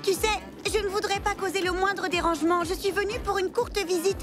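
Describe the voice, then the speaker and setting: A young female adventurer for a children's cartoon. Her voice is extremely high, bubbly and full of boastful enthusiasm. Prominent music plays behind her dialogue. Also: steady tone, fairly quick. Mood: breezy. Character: breezy, overeager young woman globe-trotting adventurer. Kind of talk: dubbed children's cartoon acting.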